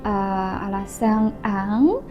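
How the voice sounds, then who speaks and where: Young chinese woman, mandarin native, halting foreigner indonesian, slow, kinda muffled recording w music. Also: mid-range voice. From China. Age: young adult. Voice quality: difficulty rolling the R. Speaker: student guest. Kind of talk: interview answers.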